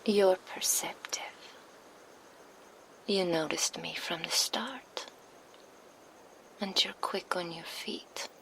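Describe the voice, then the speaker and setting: A woman's voice: lowish voice, slow, vocal fry, pauses often, fairly bright tone, full character voice, rough recording. A woman voicing a seductive, possessive female vampire in an ASMR roleplay, whispering close to a binaural microphone. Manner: intimate, purring whisper close to the ear.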